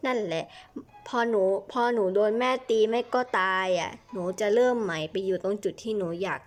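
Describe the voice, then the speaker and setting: A woman's voice: medium pitch, moderate pace, lightly acted. A woman voicing a kindly shopkeeper in a game role-play, explaining things patiently and trailing off while she searches for words. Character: kindly snack shopkeeper, gentle and helpful.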